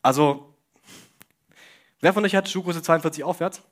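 At a moderate pace, a young male preacher talks to his congregation in an easygoing, conversational sermon. His pitch sits slightly above the typical male range, and he keeps tossing questions and dry jokes at the audience.

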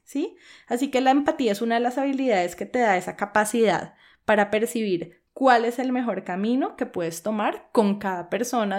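A woman podcast host teaching coaching skills for leaders, explaining step by step and often checking in with a questioning "¿sí?". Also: mid-range voice. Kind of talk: instructional podcast talk.

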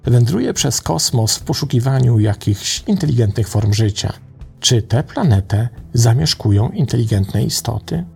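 A man reads a glowing traveler from the stars in a calm, matter-of-fact voice with a gravelly edge. The traveler stays unhurried, as in a spoken parable. Faint music sits under the voice. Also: mid-range voice. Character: calm, curious male space traveler of light.

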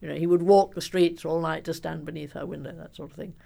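An older woman, an author answering questions in a relaxed interview, telling stories with emphatic energy and frequent ums. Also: low-pitched, fast talker, gravelly. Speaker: biographer and author being interviewed. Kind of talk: conversational interview.

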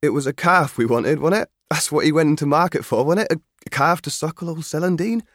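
A man's voice: fairly high pitch, brisk, dry recording, clean studio sound, voice pushed up. A man voicing an eager, earnest thirteen-year-old farm boy in a storybook reading. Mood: defiant. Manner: excited, gentle, earnest. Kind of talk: audiobook character voice.

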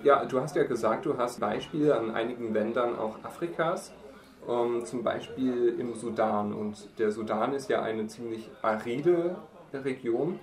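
Podcast host in an echoey room. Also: male voice, medium pitch, a little slow. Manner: friendly, guiding questions, summarizing. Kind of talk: casual podcast interview. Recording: echoey room, distant from mic.

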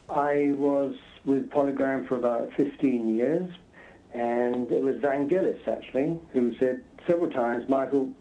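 A man's voice: mid-range voice, warm tone. A man being interviewed as a guest, telling anecdotes conversationally in a hesitant, self-interrupting way. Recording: slightly dull, lo-fi sound.

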